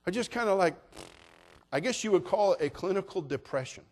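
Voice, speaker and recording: High-voiced man preaching, folksy and fiery. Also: expressive, a little fast. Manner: folksy and joking, rising to shouted preaching. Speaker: pastor. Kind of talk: sermon.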